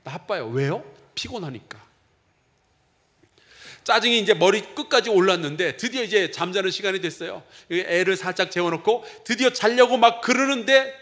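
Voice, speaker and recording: A middle-aged pastor with a high, sharp voice delivers a conversational sermon. He frequently puts questions to the congregation.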